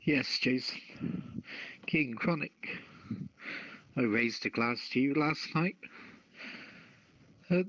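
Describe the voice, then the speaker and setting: A man co-hosting an online radio show in casual chat, talking in a halting, deliberate way over a phone-like app connection. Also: medium pitch, a bit bright, dry recording. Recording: phone-like two-way app audio.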